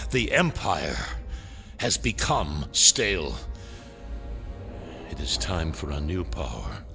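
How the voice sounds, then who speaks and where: Brooding dark lord, low-pitched, sweeping intonation, seductive menace, theatrical, sci-fi audio drama. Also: male voice, exaggerated voice. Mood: brooding, ominous. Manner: slow, theatrical, ominous delivery.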